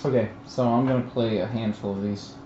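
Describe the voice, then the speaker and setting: A man's voice: fairly low pitch, steady tone, a little fast. A man chatting casually as a player in a tabletop game stream. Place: echoey room at a group game table. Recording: roomy, muffled livestream audio with faint noise.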